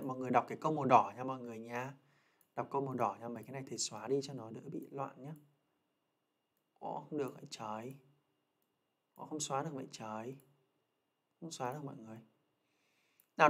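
A man walks viewers through a reading exercise in an easygoing livestream, his voice sitting in a middle pitch. He talks in a chatty, coaxing way and keeps tacking checking questions onto his explanations. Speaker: IELTS teacher. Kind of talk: casual livestream lesson.

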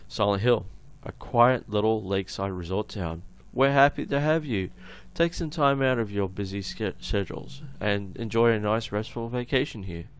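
A man with an Australian accent reading aloud as a welcoming tourist brochure writer in a measured, presentational voice, on a noisy home recording. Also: on the low side, smooth, close to an everyday voice. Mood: inviting, serene. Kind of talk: read-aloud scripted narration.

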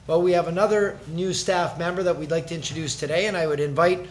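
Middle-aged man, mayor reading announcements, fairly high voice, faint room hum. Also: steady tone. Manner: brisk, chatty, joking asides. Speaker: mayor chairing a council meeting. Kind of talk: formal council meeting announcements. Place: large council chamber. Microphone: desk microphone.

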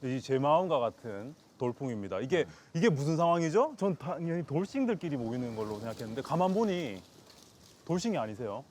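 A man in his late thirties with a mid-pitched, highly animated voice. He speaks politely and formally with some halting, as a dating show contestant in conversation and in interview remarks. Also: a little hiss or hum. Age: late 30s. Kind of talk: casual chat and confessional remarks to camera.

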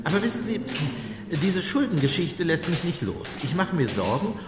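An actor playing a gentle, shrewd priest-detective in a German radio play, speaking in a musing, deliberate, softly pointed way. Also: male voice, high voice, very animated, music in the background. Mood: thoughtful. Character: gentle, shrewd priest-detective, mild-mannered, quietly probing.

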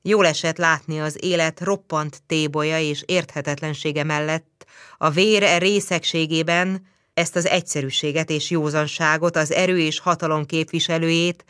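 A woman narrating a novel as an audiobook in measured storytelling. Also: low-pitched, fairly even intonation, a bit bright, smooth, no room sound, studio quality. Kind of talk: scripted literary narration.

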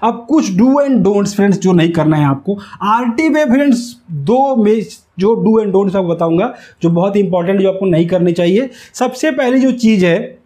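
A man's voice: high voice, lively intonation, moderate pace, hardly any pauses, mellow. A man giving an instructional lesson, explaining step by step and repeating key phrases. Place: small indoor room with whiteboard. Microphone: lapel mic.

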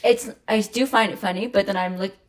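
Young female podcast host, mid-pitched voice, blunt and teasing in casual chat. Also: fairly quick.

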